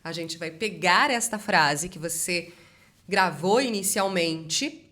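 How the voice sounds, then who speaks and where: Energetic woman coaching voice exercises. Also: lowish voice, slow. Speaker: speech therapist. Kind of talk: voice exercise lesson.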